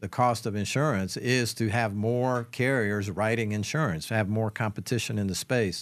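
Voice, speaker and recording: A man speaks with a South Carolina accent at a moderate pace. His voice is medium in pitch, with ordinary pitch variation. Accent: US Southern (South Carolina). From South Carolina, Florence (Pee Dee area). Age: 50s. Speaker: real estate association executive. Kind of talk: interview.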